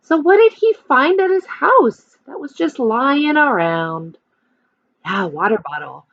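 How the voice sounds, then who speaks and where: A woman's voice: sits high, sing-song, a little slow, gravelly, dry recording, dull audio. A woman teacher reading a children's picture book aloud expressively, stopping to explain and put questions to young listeners.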